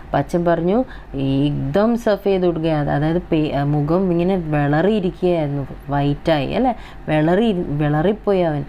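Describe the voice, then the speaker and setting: A woman with a Malayali accent explains a Hindi lesson for schoolchildren, reading each line slowly and then explaining it. Her voice sits low and mellow. Faint ambient noise runs under the recording. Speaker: Hindi teacher.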